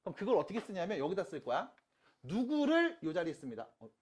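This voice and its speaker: A math teacher lectures high school students online, with a voice that swings widely up and down in pitch. The teacher keeps checking in with quick rhetorical questions and slows right down to repeat each key step. Casual and polite speech alternate throughout. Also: sing-song, a little mellow, breathy edge. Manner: repeats key steps slowly and emphatically.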